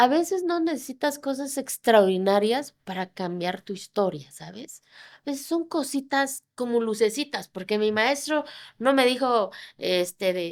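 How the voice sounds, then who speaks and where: Speaking at a fairly slow pace, a woman with a high pitch makes very wide pitch swings and big swings in loudness on a very clean recording with a silent background. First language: Zapotec (speaking Spanish). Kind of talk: interview. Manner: animated.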